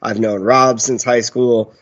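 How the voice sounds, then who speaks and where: A man's voice: mid-range voice, fairly even intonation, measured pace, muffled recording. A man in his thirties chatting casually as a podcast player, rambling and joking as he goes. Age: 30s. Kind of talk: casual chat.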